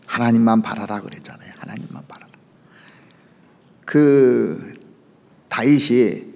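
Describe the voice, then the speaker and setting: A man preaching to his congregation with a highly animated voice that jumps high and sinks low. His words ring out with a long reverb trailing behind them in a church sanctuary. He keeps turning to the listeners with quick asides. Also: gravelly. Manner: lively preaching, pitch leaps and drops, asides to the congregation. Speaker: pastor. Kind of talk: sermon.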